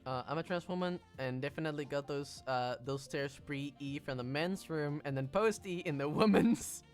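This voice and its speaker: A woman's voice: sits low, normal speed, faint music behind. A trans woman hosting a casual stream chat, who repeats her phrases and laughs often. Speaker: VTuber streamer host.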